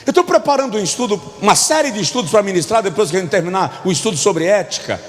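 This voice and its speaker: A Brazilian man preaching as pastor, emphatic, swinging between soft asides and shouted points. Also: high voice, animated, fast talker, in a large hall. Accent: Brazilian Portuguese. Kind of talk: sermon.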